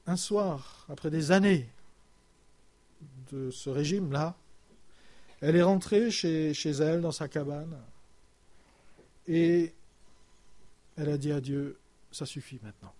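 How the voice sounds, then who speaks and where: A man delivers a sermon as a story, his voice sitting a little higher than most men's. He speaks haltingly, restarting words and pausing on fillers. His sentences often sink low and soft as they end. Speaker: preacher.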